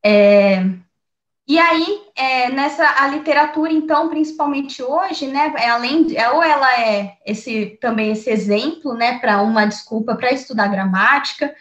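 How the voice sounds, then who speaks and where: In this lo-fi, reverberant recording, a high-pitched woman speaks a little slowly. She is a Brazilian teacher and researcher, a guest in a conversational interview, reflecting on how she teaches with plenty of fillers and restarts.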